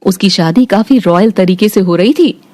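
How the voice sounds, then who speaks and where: A woman narrating a cartoon story in a steady, matter-of-fact way. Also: medium pitch, normal speed.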